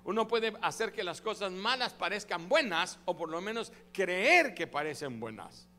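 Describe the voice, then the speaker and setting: A man preaching as pastor, emphatic and swinging between loud and soft, prompting the congregation to repeat after him. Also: high voice, lively intonation, normal speed, in a large hall. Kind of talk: sermon.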